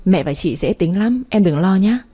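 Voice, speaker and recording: A woman voicing a gentle young man who softly reassures his girlfriend in a storybook reading. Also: mid-range voice, expressive, normal speed, breathy edge.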